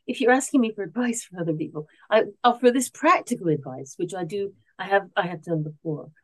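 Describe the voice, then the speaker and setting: A woman's voice: medium pitch, lively intonation, brisk, poor audio. A middle-aged woman born in South Korea and raised around Asia, a guest author talking in a reflective, earnest way and often searching for her words in a casual conversation.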